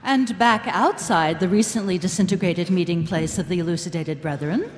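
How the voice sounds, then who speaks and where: A woman's voice: fairly low pitch, moderate pace, lightly acted. A woman performing as a wry, arch narrator in a live audio play, with theatrical delivery. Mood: dramatic. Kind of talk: dramatic scripted narration. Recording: live hall reverb, music behind.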